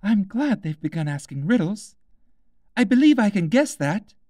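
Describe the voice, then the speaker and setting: A man's voice: high voice, sing-song, moderate pace, darkish tone, dry recording, clean studio sound, voice pushed up. A man voicing a polite but easily offended, curious young girl in a storybook. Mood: indignant, eager.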